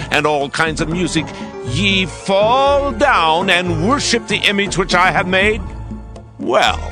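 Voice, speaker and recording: A man's voice: on the high side, heavily acted. A man playing a proud, wrathful ancient king, imperious and menacing, in a dramatized scripture production. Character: proud, wrathful Babylonian king threatening captives.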